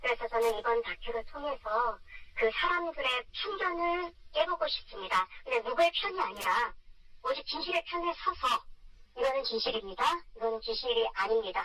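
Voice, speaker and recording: An electronically disguised, feminine-sounding voice of a radio interview guest speaking earnestly and formally in a measured way. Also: very animated, sharp tone, husky. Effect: electronic voice disguise, shifted high. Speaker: documentary maker, interview guest. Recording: muffled, distant phone-interview sound.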